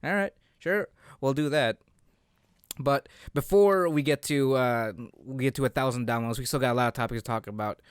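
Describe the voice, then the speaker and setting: A man's voice: mid-range voice, moderate pace, clear, resonant tone, no room sound, studio quality. A man co-hosting a casual podcast chat, talking hesitantly and often searching for his words. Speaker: podcast co-host.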